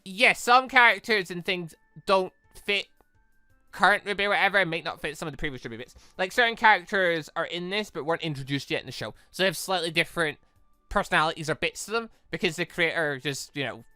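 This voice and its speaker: A man's voice: high-pitched, quick pace, sharp tone, clean tone, no room sound, soft background music. A man giving casual let's-play commentary, rambling as he repeats and rephrases himself. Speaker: gaming video host.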